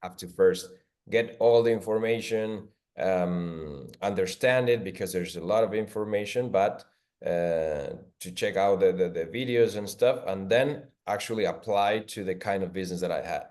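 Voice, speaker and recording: A man from Ecuador, a guest in an interview, speaking haltingly with many restarts. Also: low-pitched, darkish tone. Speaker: interview guest, agency owner. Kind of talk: casual video call interview.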